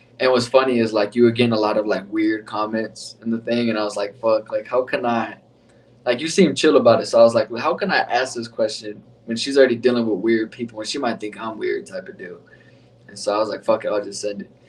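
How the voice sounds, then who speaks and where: Talking at a very fast pace, a man with an American accent keeps a medium pitch and ordinary pitch variation while his loudness swings widely. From US, Chicano community. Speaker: podcast host. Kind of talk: casual interview chat.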